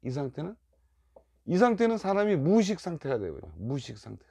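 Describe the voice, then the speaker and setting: A man's voice: on the high side, sing-song, fairly quick, gravelly, breathy edge, dry recording, clean studio sound. An older man giving a Buddhist dharma lecture, repeating key phrases and acting out worried inner voices. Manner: emphatic, rising and falling loudness.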